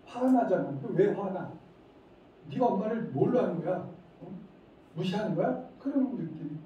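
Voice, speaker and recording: A middle-aged man giving a lively lecture to parents, acting out how parents scold and leading the room in reciting phrases. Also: high voice, normal speed. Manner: animated, acts out scolding parents, leads group recitation. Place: lecture hall. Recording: echoey hall, distant mic, dull faint noise.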